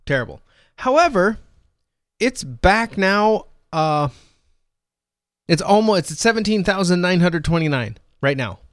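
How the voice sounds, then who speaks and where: A man's voice: high voice, very animated, unhurried, no room sound, studio quality. A man hosting a show with casual, wry, colloquial commentary. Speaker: show host.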